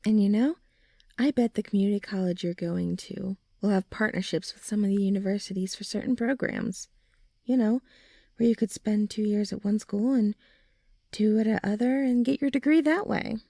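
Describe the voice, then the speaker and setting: A young woman playing a supportive, gently reassuring friend in an ASMR comfort roleplay, speaking softly and soothingly. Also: mid-range voice, normal speed, no room sound, studio quality. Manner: soft, soothing, encouraging, breathy sighs and chuckles.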